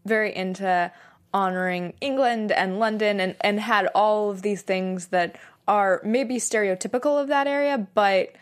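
A woman's voice: medium pitch, moderate pace. A woman co-hosting a casual film discussion, upbeat and filling her speech with "like". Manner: upbeat, says "like" often. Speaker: podcast co-host.

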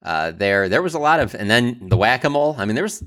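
A man's voice: mid-range voice, very animated, a bit bright. A man cohosting a sports podcast, rambling through stories with fillers and easy laughs. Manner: rambling, laughs easily, bursts of quick talk. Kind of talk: casual sports chat.

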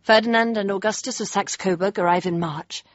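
A young actress playing an earnest, spirited princess, with a crisp, refined way of speaking. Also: female voice, medium pitch, fairly quick, dry recording, natural voice. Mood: reflective. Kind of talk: period drama acting and diary narration. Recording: dull dry lo-fi with faint music.

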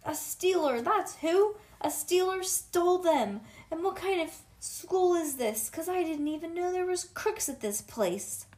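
A woman's voice: sits high, moderate pace. A woman voicing a dramatic, indignant little schoolgirl from a children's storybook, emphatic and with childish grammar. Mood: outraged.

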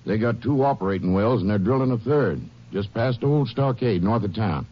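An actor playing a gruff, folksy, defensive small-town Texas sheriff in a 1950s radio western. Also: male voice, on the low side, lively intonation, moderate pace. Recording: muffled old radio recording.

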